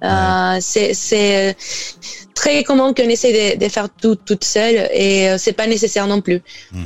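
Over music in the background, a woman speaks at a fairly slow pace with fairly even intonation. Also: medium pitch for a woman. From Mexico. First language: Spanish (speaking French). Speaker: personal development coach. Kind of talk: interview. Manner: halting.

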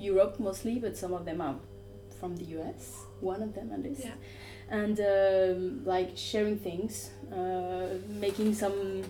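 Through audible room echo and background music, a woman with a French accent speaks at a medium pitch. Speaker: motorcycle podcast host. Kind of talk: casual interview. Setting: women's motorcycle festival in Germany.

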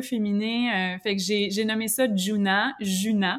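Fairly high female voice over noticeable background noise. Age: 40s. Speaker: yoga teacher. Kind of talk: casual interview chat.

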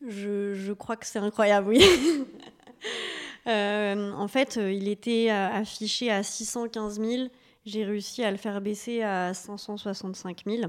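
A woman's very slow speech with fairly even intonation. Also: medium pitch for a woman. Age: 30s. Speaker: physiotherapist. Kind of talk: interview. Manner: halting, many hesitations.

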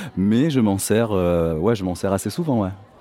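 This man has a fairly low pitch and a dark, mellow tone. He speaks at a moderate pace. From Périgord, France. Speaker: music teacher. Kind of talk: interview. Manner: halting.

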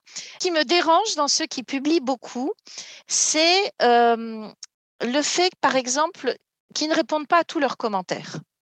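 Very slowly, a woman with a high voice speaks in lively intonation, the sound dry and close with no echo. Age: 50s. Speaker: public speaker and job-search trainer. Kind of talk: podcast interview.

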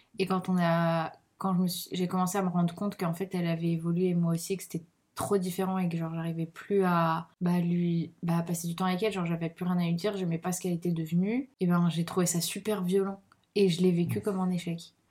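A woman's fairly low, somewhat breathy voice, fairly quick in pace, with monotone, flat intonation. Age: 20s. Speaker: university student and podcast host. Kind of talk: casual chat.

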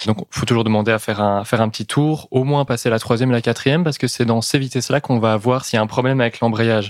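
A man of medium pitch at a very fast pace, with fairly even intonation and hardly any pauses. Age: 20s. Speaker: carpenter and van builder. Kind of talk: podcast interview.

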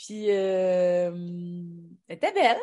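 A woman speaks with a Quebec accent. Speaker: comedian. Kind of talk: casual chat.

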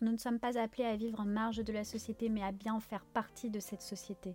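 The voice is somewhat breathy, with monotone, flat intonation. It sounds dry and close, with no echo. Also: woman. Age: 30s. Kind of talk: solo podcast monologue. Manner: intimate, direct address.

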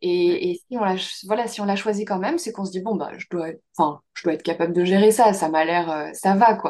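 A woman with a medium pitch talks fairly quickly, her pitch varying in an ordinary way. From France. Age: 30s. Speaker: astrologer. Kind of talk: interview. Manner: hesitant, many fillers.

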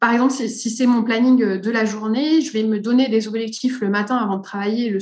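A woman speaks at a moderate pace with a fairly high pitch and ordinary pitch variation. Audible room echo and noticeable background noise are present. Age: 30s. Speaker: organisation and budgeting coach, entrepreneur. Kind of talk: casual interview chat. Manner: animated.

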